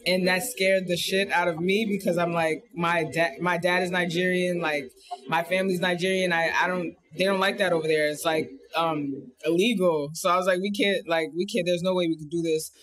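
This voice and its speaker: An American woman speaks as a guest director on a video call. Her voice is on the low side for a woman, and she tells personal stories in an animated, informal way. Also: moderate pace. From United States. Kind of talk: casual personal storytelling. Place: indoor room on a video call.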